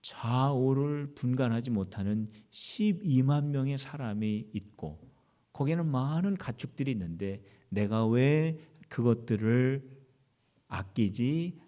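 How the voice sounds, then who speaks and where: Man putting on a patient stern god, slow questions, fatherly rebuke, mellow voice. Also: mid-range voice, expressive. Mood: rebuking.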